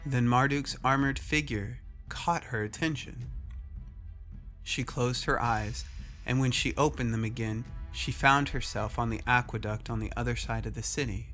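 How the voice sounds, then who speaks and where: A man's voice: medium pitch, a bit bright. A man reading scripted, dramatic story narration as a narrator. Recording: music under the voice. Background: background music.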